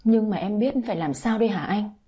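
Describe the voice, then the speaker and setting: A woman's voice: medium pitch, fairly quick, dark tone, slightly rough, close to an everyday voice. A woman voicing a heartbroken young wife who pleads through tears, in a read-aloud story. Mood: tearful. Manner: tearful, pleading.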